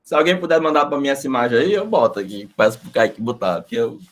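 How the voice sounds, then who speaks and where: A middle-aged man teaching an online class in a casual, storytelling way. His pitch swings lively up and down, and he curses freely as he explains. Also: fast talker. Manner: animated storytelling, casual and profane.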